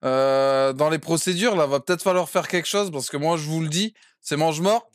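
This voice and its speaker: A man's voice: on the high side, moderate pace, dry recording, studio quality. A man streaming a roleplay game as a cheeky defendant, talking in slang and laughing often. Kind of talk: in-character roleplay chat.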